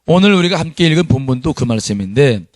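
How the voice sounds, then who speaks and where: Lively middle-aged Korean pastor preaching. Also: male voice, medium pitch, quick pace, no room sound, studio quality. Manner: expressive preaching, reads scripture aloud with the congregation, chuckles at himself. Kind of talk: sermon.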